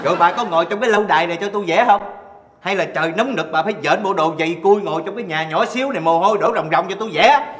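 A man's voice: high-pitched, a bit bright. An actor with a Southern Vietnamese accent playing an older painter husband who protests and whines at his wife in a stage comedy. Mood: arguing. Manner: fast, whiny, protesting. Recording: roomy stage hall, faint noise.

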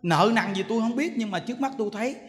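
High-voiced monk preaching animatedly. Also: male voice, rapid-fire. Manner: animated storytelling, laughing, mimicking others. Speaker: monk giving a dharma talk. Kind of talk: sermon. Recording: long hall reverb, faint background noise.

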